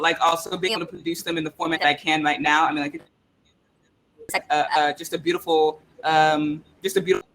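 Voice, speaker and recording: A man speaking casually as a panelist, halting and searching for his words. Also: fairly high pitch, pushed and bright, low-quality recording. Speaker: panelist, playwright.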